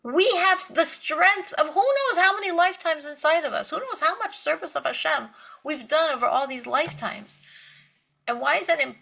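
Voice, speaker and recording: A woman giving a spiritual Torah lecture, telling stories with lively emphasis, repeating words and laughing lightly between points. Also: high voice, normal speed, gravelly, poor audio. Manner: animated storytelling with emphatic repetition. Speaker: Torah teacher.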